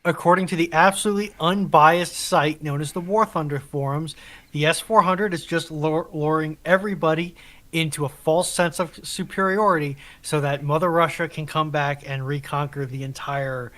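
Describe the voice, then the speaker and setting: A man's voice: on the high side, steady tone, moderate pace, a bit bright. A man co-hosting a live stream, joking in a mock-serious way.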